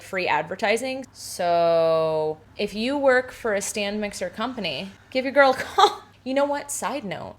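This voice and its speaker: A woman's voice: mid-range voice, a bit bright. A woman in her thirties from Southern California with a Southern Californian accent, answering viewer questions in a casual, self-deprecating vlog full of "like". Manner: chatty, self-deprecating, filler-heavy with frequent "like". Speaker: home baker and vlogger.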